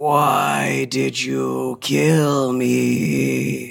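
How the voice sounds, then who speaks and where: Faint music plays in the background as a man talks. He uses a put-on character voice with a very deep, low pitch. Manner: groaning, eerie.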